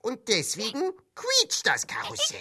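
A man's voice: very high-pitched, huge pitch swings, measured pace, pushed and bright, husky, exaggerated voice. A man voicing a playful young male meerkat puppet in a children's show, explaining things expressively and matter-of-factly. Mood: confidently explaining.

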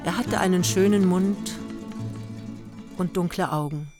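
A woman with a fairly low voice narrates a scripted radio play. She tells the story in a measured, matter-of-fact way, with music clearly playing behind her.

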